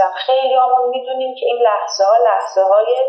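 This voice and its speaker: A woman speaks in a fairly high pitch. Noticeable background noise runs behind her voice. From Tehran, Iran. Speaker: homemaker and mother. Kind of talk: interview.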